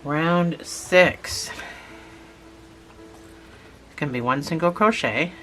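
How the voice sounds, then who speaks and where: A channel host talking through a lesson step by step, patient and repetitive, a little hoarse from a cold. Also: medium pitch, slow pace, fairly bright tone, faint music behind. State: has a cold, losing voice. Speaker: instructor. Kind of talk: step-by-step tutorial narration.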